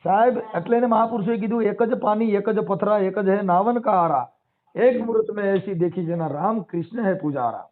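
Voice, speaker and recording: High-pitched Gujarati man lecturing over the phone. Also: normal speed. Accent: Gujarati, Saurashtra. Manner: emphatic, lecturing, asks rhetorical questions. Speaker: caller explaining his rationalist views. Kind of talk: animated phone discourse in colloquial speech. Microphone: telephone. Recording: muffled narrow-band phone call recording.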